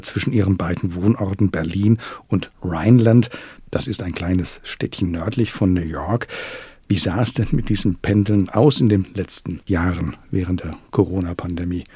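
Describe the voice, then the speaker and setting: A man hosting a radio culture program, asking measured, polite questions in the studio. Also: deep voice, mellow, husky, no room sound. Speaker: radio host. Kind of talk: radio interview. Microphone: studio microphone.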